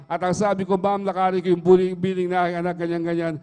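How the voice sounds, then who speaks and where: High-voiced guy rattling off his church testimony quick, kinda monotone, long echo from the church hall. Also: smooth. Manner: earnest, repeats "mga minamahal" constantly. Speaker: church member giving testimony. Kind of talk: spoken testimony in worship service. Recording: livestream with long hall reverb.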